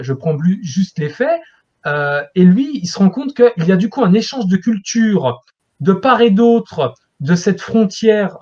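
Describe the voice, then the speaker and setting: A man's voice: high voice, a little mellow. Lecturing man on a dull lo-fi line. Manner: lecturing, explains for students. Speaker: guest expert. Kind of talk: explanatory interview talk.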